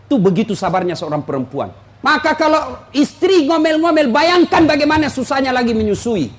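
A man's voice: very high-pitched, big pitch swings, brisk. A man preaching a humorous sermon to a live audience, joking and teasing listeners with questions.

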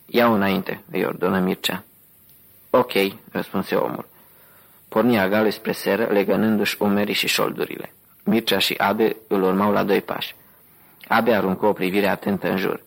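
A male audiobook narrator reads in a steady, even way. His voice is deep and husky, with a gravelly texture. The pitch stays flat and level throughout. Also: rough recording.

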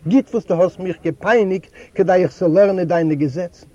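A man's voice: sits high, moderate pace, mellow, muffled recording, voice pushed up. A man reading aloud, voicing a stern, scholarly old rebbe who preaches and exclaims. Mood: admonishing.

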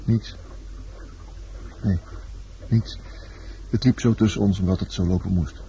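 An actor in a Dutch radio play playing a world-weary, blunt lover and sailor, terse and fatalistic. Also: male voice, sits low, steady tone, measured pace, vocal fry, dark tone. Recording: dull, noisy old radio drama recording.

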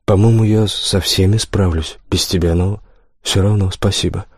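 A confident, teasing teenage schoolgirl in a storybook reading, voiced by a man. The voice stays low and close, recorded dry with no room sound. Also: fairly even intonation, moderate pace, a little mellow, slightly rough, no room sound.

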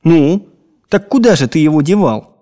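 A man reading an audiobook, voicing a grumbling, tyrannical old gentleman with a nagging, theatrical way of talking. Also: fairly high pitch, lively intonation, normal speed, pitched above the performer's own voice, natural voice. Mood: interrogating.

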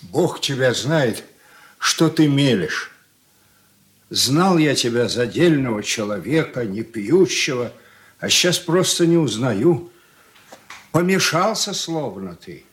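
A man's voice: medium pitch, slow. An actor playing a stern sober man scolding a drunk friend in a radio drama. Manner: scolding, lively. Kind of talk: 1980s radio drama acting.

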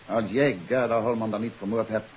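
An actor playing a shrewd, authoritative detective in a 1950s radio drama, speaking in a probing, deliberate way. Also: male voice, lowish voice, fairly even intonation, husky. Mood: stern, pressing. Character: shrewd, authoritative male amateur detective confronting a suspect. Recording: muffled 1950s radio recording with hiss.

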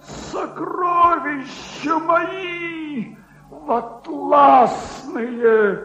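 A man's voice: very high voice, very slow, full character voice. An actor playing an old miserly baron in a radio play, declaiming verse as a tormented man hungry for power and in love with his treasure. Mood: bitter, anguished. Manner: declamatory, from hushed gloating to anguished cries. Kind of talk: theatrical dramatic monologue in verse, Russian radio play. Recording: echoey, dull archival radio recording.

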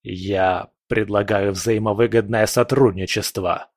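A man voicing a hoarse, furious male rebel leader who growls through his teeth. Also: on the low side, steady tone, a little slow, no room sound, studio quality. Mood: bitter. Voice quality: hoarse, raspy.

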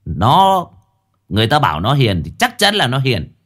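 A man's voice: mid-range voice, huge pitch swings, moderate pace, a bit bright, voice pushed up. A man voicing a trusting, brash young master, coaxing his companions along.

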